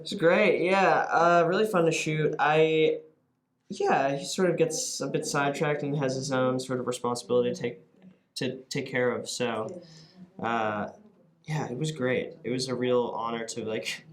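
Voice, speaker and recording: A man's voice: mid-range voice, moderate pace. A young man, an actor in a casual press interview, answering in a laid-back, hesitant way. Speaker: actor guest.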